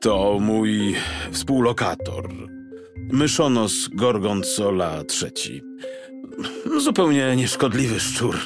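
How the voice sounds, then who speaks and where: A man's voice: on the low side, big pitch swings, slow, over music, full character voice. A man voicing a reluctant, self-doubting detective in a children's audiobook, hesitant and uneasy. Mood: apologetic.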